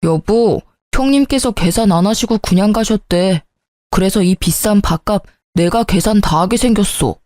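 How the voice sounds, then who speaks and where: A woman's voice: medium pitch, normal speed, a little mellow, no room sound, close to an everyday voice. A woman voicing a petty, stubborn young husband in a storybook drama, speaking in a whiny, pleading way.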